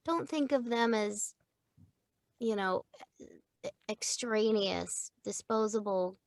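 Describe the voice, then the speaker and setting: Gravelly older woman chatting from a booth. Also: medium pitch, takes it slowly, dry recording, studio quality. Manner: chatty, animated, laughs often. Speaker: voice actor guest. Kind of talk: casual interview chat. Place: home recording booth. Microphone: studio microphone.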